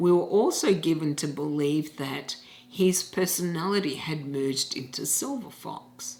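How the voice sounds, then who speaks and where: Lively intonation marks a woman's very deep, low-pitched voice. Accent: Australian. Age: 60s. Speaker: book reviewer. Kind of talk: spoken book review.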